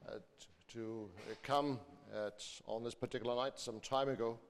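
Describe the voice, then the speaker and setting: In a large church or hall with long, echoing reverb, a preacher who also teaches school addresses his congregation informally and reads from scripture. His medium-pitched voice moves at a moderate pace with fairly even intonation.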